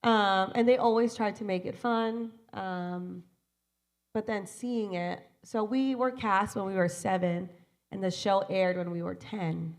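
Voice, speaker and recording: A woman's voice: mid-range voice, fairly even intonation, a little slow. A woman in her thirties, a voice actor guest chatting animatedly on a convention panel with a handheld mic. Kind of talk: casual panel chat.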